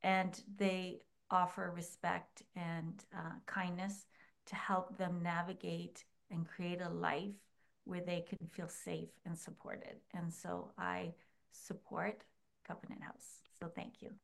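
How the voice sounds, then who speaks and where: A woman speaking as a guest author, soft-spoken and earnest, her voice trailing off quietly. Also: lowish voice, level tone, takes it slowly, gravelly. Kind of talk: slow heartfelt talk.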